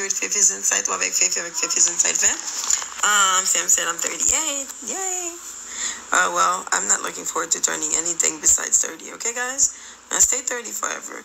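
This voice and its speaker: A Haitian-accented woman in her thirties hosts a live stream from a small indoor room, chatting as she reads viewer comments and switching among English, Creole and French. Her medium-pitched voice is bright and forceful with vocal fry, picked up by a phone held close in a low-quality recording with slight background noise.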